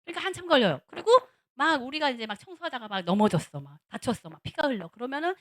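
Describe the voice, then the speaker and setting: A middle-aged woman, a seminary professor, giving a lively lecture on marriage at a church, acting out little dialogues and repeating words for emphasis. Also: sits high, fast. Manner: animated, acts out little dialogues of husbands and wives.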